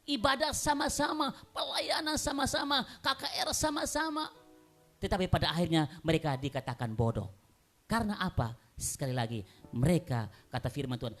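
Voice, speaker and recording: Emphatic woman preaching a sermon. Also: high-pitched. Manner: emphatic, repetitive preaching with swings between soft and loud. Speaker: pastor. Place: church.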